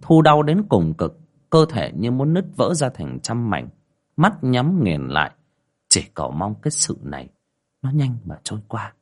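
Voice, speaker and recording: A man narrating a ghost story in a dramatic, expressive way. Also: fairly low pitch, normal speed, slightly rough. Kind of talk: scripted horror story narration.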